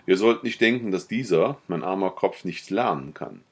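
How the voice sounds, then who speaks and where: A man's voice: low-pitched, animated, normal speed, breathy edge, full character voice. A man voicing Fenice, a proud and stern young woman, in firm, dismissive lines of a read-aloud novella.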